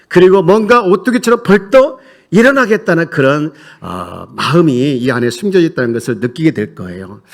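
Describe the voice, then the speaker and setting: A male pastor preaches in a church sanctuary, talking with the congregation and leading them through shared readings. His voice is a touch high, and its pitch rises and falls in an animated way. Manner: conversational, leads the congregation in reading aloud. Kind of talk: sermon.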